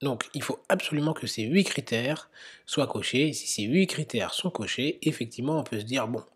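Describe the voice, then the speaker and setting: Male lecturer, husky, mid-pitched, teaching from slides with hesitant pauses. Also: animated. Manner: explanatory, frequent hesitations, occasional whispered asides. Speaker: medical lecturer. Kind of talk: slide lecture on medical guidelines.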